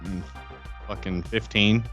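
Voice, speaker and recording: A man bantering casually as a tabletop game player, wry and quick to swear. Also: fairly low pitch, fairly even intonation, a bit bright, soft background music.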